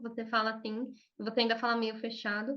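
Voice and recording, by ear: Putting on a character voice, a woman speaks at a fairly quick pace, nasal and fairly high in pitch. Her intonation stays monotone and flat.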